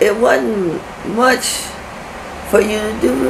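The speech moves at a very slow pace over noticeable background noise. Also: woman. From Denham Springs, Louisiana; Louisiana. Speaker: interviewee. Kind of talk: interview answer. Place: home room.

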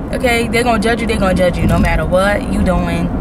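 A woman talks at a very fast pace with ordinary pitch variation. The sound is dry with no echo, with loud background noise. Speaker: vlogger. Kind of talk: casual vlog chat. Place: car. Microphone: camera far.

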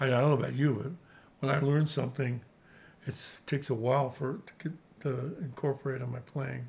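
A man speaks with vocal fry. His intonation stays fairly even. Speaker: guest. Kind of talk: interview answer. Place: studio. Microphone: studio mic.

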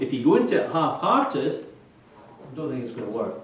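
A man speaks with a Scottish accent. There is audible room echo and light background noise. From Scotland, Kinross-shire; Scotland. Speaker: businessman; guest. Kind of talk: lecture. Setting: lecture theatre with audience. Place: hall. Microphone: camera far.

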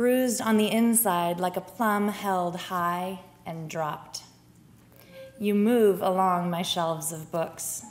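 A quiet woman's voice at a very slow pace, with fairly even intonation. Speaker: poet reading her own poems. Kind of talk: poetry reading on stage. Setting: stage with audience. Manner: slow, hushed, measured and tender; lyrical, expressive. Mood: calm, tender. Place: stage. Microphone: podium.

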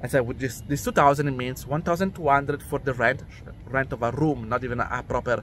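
There is vocal fry in this man's voice, heard over light background noise. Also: dry sound with no echo. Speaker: animator and video creator; video creator. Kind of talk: monologue talk to camera. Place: street. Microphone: phone near.

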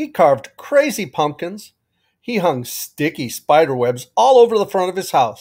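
Here is a natural reading voice over a quiet background.

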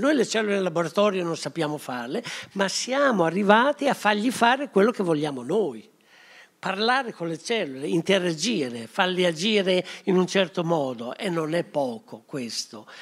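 In a quiet background, a man with a high voice talks fairly quickly, his pitch swinging very widely. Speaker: chemistry professor and company CEO; panelist, chemistry professor. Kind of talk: panel discussion, storytelling. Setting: stage in a theatre foyer with audience. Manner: animated. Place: stage. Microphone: handheld.

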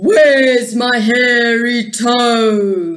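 The voice is fairly high. It's a put-on character voice. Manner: creepy, menacing.

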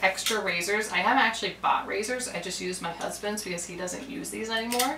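Loud background noise fills the clip. A woman talks with ordinary pitch variation. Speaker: home cleaning vlogger. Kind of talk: casual vlog chat. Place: bathroom. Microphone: camera far.

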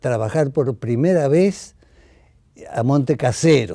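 Speaking at a very slow pace against a quiet background, a man with a dark, mellow tone and a medium pitch uses lively intonation. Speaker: retired history teacher and author; history teacher. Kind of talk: interview. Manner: halting, many fillers. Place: studio.

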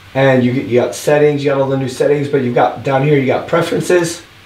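Noticeable background noise sits behind the voice. The speech is very fast, with ordinary pitch variation. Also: man. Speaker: mobile app developer. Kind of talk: casual talk to camera.

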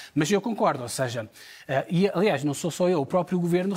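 With a European Portuguese accent, a man talks in a high-pitched voice. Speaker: economics commentator. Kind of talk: TV news analysis.

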